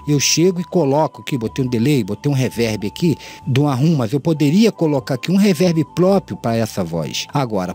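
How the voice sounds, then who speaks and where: A man's voice: mid-range voice, a little mellow. A middle-aged Brazilian man with a tongue-tied lisp and slushy s sounds, giving an earnest, informal lesson and often rephrasing his points. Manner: earnest, repeats and rephrases his points, addresses listeners formally. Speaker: host of an audio mixing tutorial channel.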